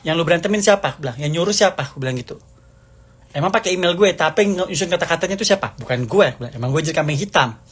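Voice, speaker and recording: A man's voice: fairly high pitch, animated, very fast, a bit bright, husky. A man delivering an angry, accusing rant to the camera, hammering the same points over and over. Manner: heated, accusing, repetitive.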